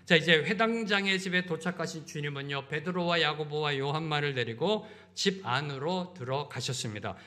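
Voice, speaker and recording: Fervent male preacher, higher voice. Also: moderate pace, few pauses. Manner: preaching with rhetorical questions and repeated phrases; lively, shifting between loud emphasis and quiet asides. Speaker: pastor. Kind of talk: sermon. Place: church sanctuary.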